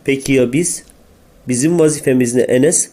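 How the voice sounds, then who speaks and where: Cartoon teacher voiced by a man: dark, soft-edged timbre, kindly and inquisitive, fond of prompting pupils. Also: medium pitch, moderate pace, lightly acted. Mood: curious. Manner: addresses pupils fondly, asks leading questions. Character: kindly, curious school teacher, easily amazed. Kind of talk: scripted comic cartoon dialogue.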